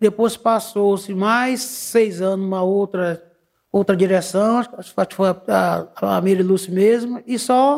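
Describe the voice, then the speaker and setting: A man speaks at a very slow pace in a high voice. His intonation stays fairly even. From Maranhão, Brazil (São Luís). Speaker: samba school president and folk singer. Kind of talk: interview. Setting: studio. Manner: formal.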